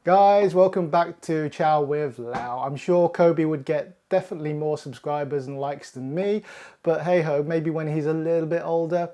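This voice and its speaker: With a noisy background behind him, a fairly high-voiced man talks at a moderate pace while hosting a casual home cooking tutorial. The cooking show host, who is from a Hakka Chinese family, stays chatty and self-deprecating through each step.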